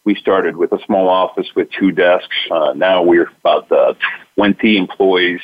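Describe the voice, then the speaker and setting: A man from Florida, a sales executive answering interview questions in a relaxed, conversational way. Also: deep voice, a little slow, slightly rough, narrow, tinny audio. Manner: relaxed, conversational, many fillers.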